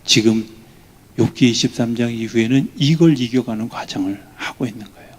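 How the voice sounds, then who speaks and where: A male pastor giving a lively weekday sermon, acting out the voices he quotes with sudden rises in pitch and volume. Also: brisk. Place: church.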